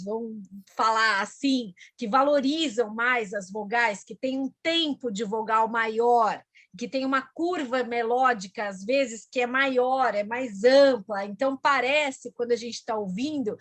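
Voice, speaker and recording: A woman speech therapist from Brazil, explaining in a measured way during a panel talk. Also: fairly high pitch, fairly bright tone, no echo.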